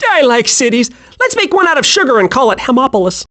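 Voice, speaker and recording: A man voicing a childlike, gleeful, hyperactive squirrel in an animated video game, excitable and naively cheerful. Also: extremely high pitch, fast, full character voice.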